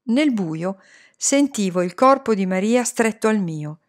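A woman's voice: mid-range voice, lively intonation, unhurried. Woman reading a storybook aloud. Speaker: reader.

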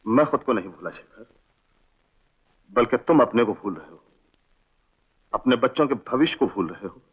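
An impassioned loyal friend. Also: male voice, mid-range voice, expressive, normal speed, breathy edge. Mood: earnest. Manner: theatrical, impassioned pleading. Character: loyal orphan friend of the family, emotional man. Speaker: film actor. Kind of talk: 1960s film dialogue. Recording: dull old film soundtrack with music.

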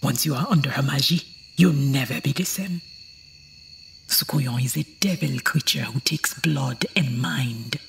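An actress playing a blunt, superstitious old island woman with a gravelly, whispery voice in an audio horror drama. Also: a bass voice, a little slow, slight background noise, full character voice. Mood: ominous warning. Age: older.

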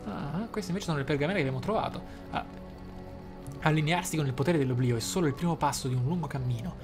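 Reading lore from a game with expression, this gaming channel host adds spontaneous asides while game music plays. His voice is a little high and he talks fast.

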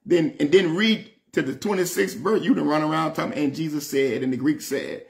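A man's voice: on the high side, brisk, vocal fry. A man in his sixties with a Southern US accent, teaching Bible study in an emphatic, folksy way, repeating phrases and calling on listeners. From Southern United States. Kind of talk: informal Bible study sermon, reading and explaining scripture. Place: indoor room at home, seated before French doors.

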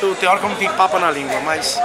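A high-pitched Brazilian man in his forties talks earnestly and at length into a phone held at arm's length. He is at a booth at a busy fair, and heavy crowd noise fills the background. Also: very fast. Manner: emphatic, rambling, heartfelt. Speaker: web TV host. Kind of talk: casual on-site interview. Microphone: handheld phone camera at arm's length. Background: loud crowd chatter.

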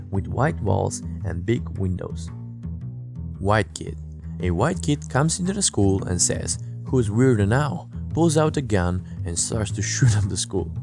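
A man narrating a scripted self-improvement lesson in a calm, instructive way, English not his first language. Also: lowish voice, creaky. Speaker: self-improvement channel host. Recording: voice-over with guitar music behind.

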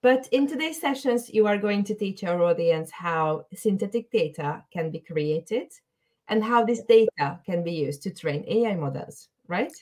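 Hosting a webinar by video call from a room indoors, this woman speaks at a moderate pace with a medium-pitched, expressive, slightly mellow voice. She comes across as polite and a little unsure, repeating words during her introductions.

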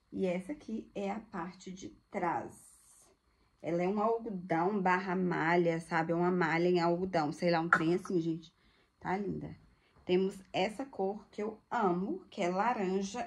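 Gushing Brazilian woman showing thrift clothes. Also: fairly low pitch. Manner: chatty, gushing, addresses viewers as girls. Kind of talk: casual live product showcase.

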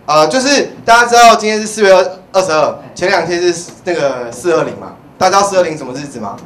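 A man's voice: high voice, animated, fast, fairly bright tone. A young man with a Taiwanese accent doing open-mic stand-up in a rambling, stammering way that repeats phrases. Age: young adult. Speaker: stand-up comedian. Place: small indoor comedy club stage. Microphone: handheld microphone. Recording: roomy live venue, background noise.

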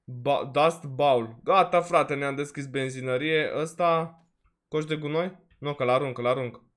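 Romanian man, high-pitched, let's-play host, chatty, quick to exclaim, voice a bit worn. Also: fairly bright tone. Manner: chatty, exclaims often, peppers talk with "frate" and "bă". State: voice slightly worn, coughing. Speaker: gaming video host. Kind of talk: casual let's-play commentary.

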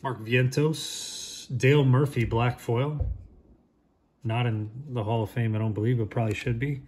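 A man in his thirties giving casual, low-key commentary while opening packs at a shop counter, naming each player as it comes up. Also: fairly even intonation, a little slow, darkish tone, a little hiss or hum.

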